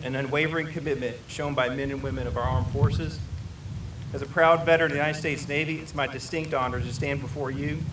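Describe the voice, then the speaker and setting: Retired Navy officer with a Kentucky accent delivering a formal speech, picked up on a distant mic. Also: male voice, on the high side, noisy background. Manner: folksy asides, then a solemn prepared address.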